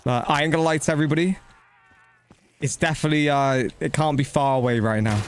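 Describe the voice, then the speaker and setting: A man's voice: fairly high pitch, steady tone, quick pace, slight background noise. A man giving casual live gameplay commentary and chatting to viewers, blunt, slangy and matey, with some swearing. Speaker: video game streamer.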